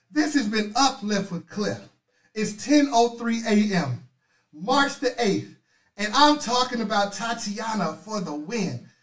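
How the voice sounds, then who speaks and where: Hoarse middle-aged man, very high voice, rousing pep talk, echoey room. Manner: loud, rousing, chanting names. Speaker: motivational livestream host. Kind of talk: energetic motivational pep talk. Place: indoors at a desk, virtual city background. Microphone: webcam on a video stream. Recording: echoey, distant mic.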